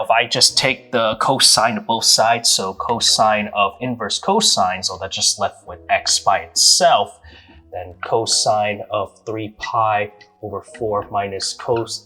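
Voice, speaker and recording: A man's voice: on the low side, sharp tone, breathy edge. A man explaining a math problem step by step in a casual, hesitant way, with many ums and restarts. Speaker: math tutor.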